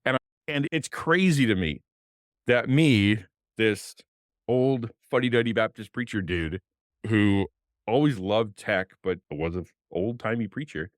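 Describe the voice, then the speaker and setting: A middle-aged man and former pastor with a deep voice, talking passionately as a guest on a video-call podcast at a desk mic. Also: unhurried, no echo, clean studio sound. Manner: passionate, animated, gestures with hands. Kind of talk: casual interview talk. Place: home streaming room with colored lights. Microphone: desk podcast mic on arm, headphones.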